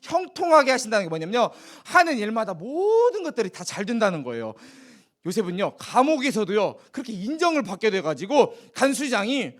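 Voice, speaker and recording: A man's voice: high voice, a little fast. A man preaching a children's sermon, telling a Bible story and asking the children questions as he goes. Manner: animated, asks the children questions.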